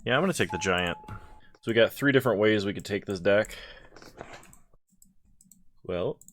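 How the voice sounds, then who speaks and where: A man's voice: lowish voice, moderate pace, fairly bright tone, slight background noise. A sleepy man giving casual gameplay commentary, thinking aloud as he weighs each choice. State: sleepy, yawning. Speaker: video creator drafting cards.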